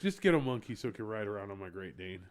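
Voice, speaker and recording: A man's voice: lowish voice, big pitch swings, quick pace, clean tone. A laid-back, joking man co-hosting a casual podcast from a home studio, swearing freely. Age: adult with a child. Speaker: podcast co-host and editor. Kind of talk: casual chat.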